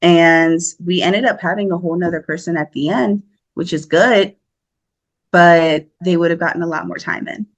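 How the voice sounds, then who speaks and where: A woman's voice: on the low side, moderate pace. A young woman from the United States, an actor guesting on a podcast, talking casually and animatedly with frequent laughs and fillers. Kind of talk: casual interview chat.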